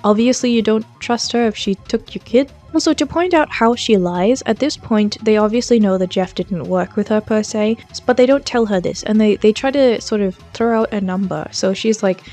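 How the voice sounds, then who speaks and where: A woman's voice: mid-range voice, moderate pace, few pauses, warm tone, faint music behind. A woman giving casual, chatty commentary on a case, with a close voice-over mic. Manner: chatty, frequent "like" fillers. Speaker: true-crime commentary YouTuber.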